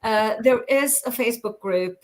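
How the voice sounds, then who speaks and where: A woman's voice: on the high side, normal speed. A woman co-hosting a livestream over a video call, chatting casually with frequent fillers and easy laughter. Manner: chatty, laughs easily, hesitant with many fillers. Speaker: co-host of a livestream.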